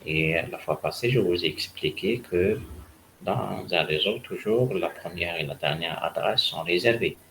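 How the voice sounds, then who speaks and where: Deep voiced guy teaching a class, kinda crackly voice, stops and starts, repeats stuff, bit of noise. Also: unhurried, gravelly, fairly bright tone. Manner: didactic, repeats key points for emphasis. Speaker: networking lecturer. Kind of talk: spoken university lecture.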